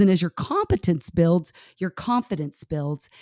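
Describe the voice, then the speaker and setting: The speaker uses an ordinary speaking voice with lively intonation at a moderate pace, in a dry, close sound with no echo. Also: woman, very clean recording, silent background. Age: 60s. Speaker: counselor and author. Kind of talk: interview.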